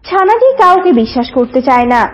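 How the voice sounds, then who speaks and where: Female narrator, scripted children's tale, high pitch, lively intonation, slightly muffled audio, background music. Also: fairly quick.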